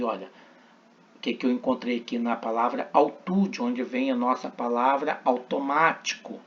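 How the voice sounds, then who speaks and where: Male instructor, slow deliberate delivery, lively pitch, dull lo-fi audio, recorded lesson. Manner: slow, deliberate, repeats words for practice. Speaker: teacher.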